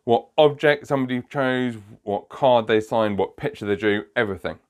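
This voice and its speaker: This is a man at a moderate pace with a medium pitch. As the magician host of his own podcast, he chats his way through a funny story, laughing frequently and straying off topic.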